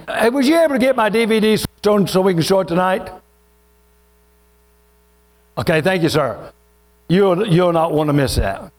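High-voiced folksy preacher. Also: male voice, lively intonation. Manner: folksy, joking, drawn-out preaching. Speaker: pastor. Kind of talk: sermon.

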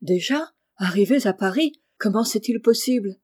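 A woman voicing a poor, tender-hearted peasant mother in an audiobook, speaking softly and humbly. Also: medium pitch, expressive, moderate pace, breathy edge. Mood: humble. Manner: soft, humble and emotional. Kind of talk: audiobook character reading.

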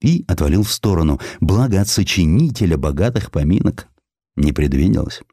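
A man narrating a literary audiobook in a measured, expressive, dramatic storytelling manner. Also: low-pitched, husky, no echo, clean studio sound.

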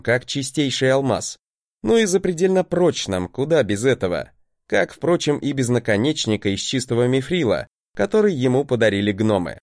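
Wry man narrating, lively intonation. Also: medium pitch, no echo, clean studio sound. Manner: wry, conversational. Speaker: audiobook narrator. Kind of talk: first-person scripted narration.

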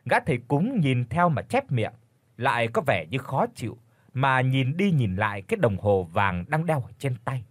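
A man tells a horror story with dramatic flair. His husky voice rises and falls a great deal. It is recorded dry and close, with faint music underneath. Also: mid-range voice, very animated, moderate pace, dry recording. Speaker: narrator.

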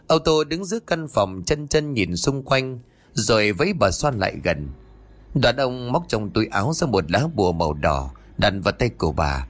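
A man's voice: fairly low pitch, very animated, moderate pace. Man narrating a ghost story.

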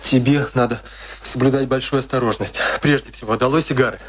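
A man's voice: medium pitch, steady tone, natural voice. Actor as firm, blunt man, noisy recording. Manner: measured, commanding, dry. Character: firm, blunt family friend tending a sick man. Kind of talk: radio play acting. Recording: noisy radio play recording with clicks.

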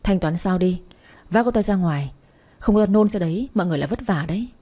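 Woman doing brusque young male bar owner, curt scolding manner, warm voice, storybook reading. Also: on the low side, expressive, quick pace.

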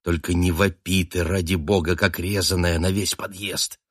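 A man's voice: low-pitched, steady tone, normal speed, fairly bright tone, slightly rough, dry recording, clean studio sound. Man doing a weary, sarcastic husband. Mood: sardonic, weary. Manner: sardonic, clipped, through gritted teeth. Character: weary, sarcastic adult husband, cutting and cold.

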